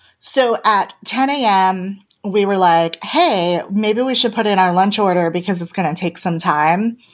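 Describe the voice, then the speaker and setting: A woman with an American accent and an ordinary speaking voice, medium in pitch with ordinary variation, at a fairly slow pace with hardly any pauses, on a very clean recording with a silent background. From US Northeast. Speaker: podcast host.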